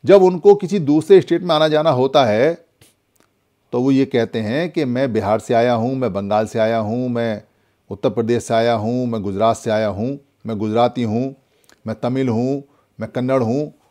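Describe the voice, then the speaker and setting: A man's voice: mid-range voice, normal speed, dark tone. A man from India giving a spoken Buddhist lesson, preaching with many repeated rhetorical questions. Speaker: Buddhist teacher.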